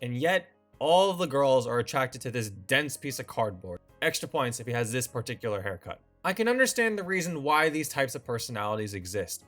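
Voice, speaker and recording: A man's voice: a little high, a bit bright. A young man hosting a scripted video essay, delivering wry, opinionated commentary. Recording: faint music behind the voice.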